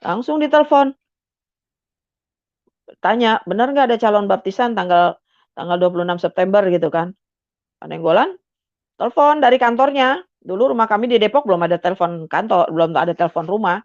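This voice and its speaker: A woman's voice: medium pitch, expressive, fairly quick, pauses often, dry recording, lo-fi sound. An older woman telling her life story as a guest, chatty, with many fillers, acting out the dialogue she remembers. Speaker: guest giving a conversion testimony. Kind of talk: personal testimony storytelling.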